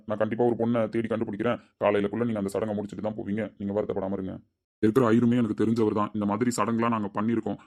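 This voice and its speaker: A man voicing a calm male temple astrologer who reassures a worried family in an amateur audio drama. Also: lowish voice, close to an everyday voice. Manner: soothing, reassuring.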